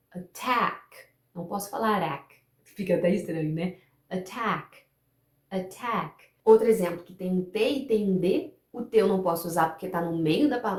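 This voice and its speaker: A woman whose first language is Portuguese teaches English pronunciation to camera, patiently repeating example words slowly for the viewer to practice. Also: medium pitch, a little mellow, reverberant.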